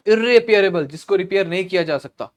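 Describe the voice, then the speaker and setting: A man teaching exam vocabulary in a Hindi-English mix, explaining slowly, repeating words and checking in with "okay" as he goes. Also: high voice. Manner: clears throat often.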